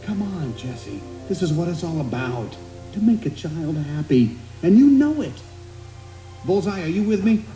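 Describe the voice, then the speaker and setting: A man playing an earnest, excitable cowboy sheriff toy in an animated film, with an American accent and a pleading, emphatic delivery. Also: a little high, unhurried, reverberant, soft background music, poor audio. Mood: eager.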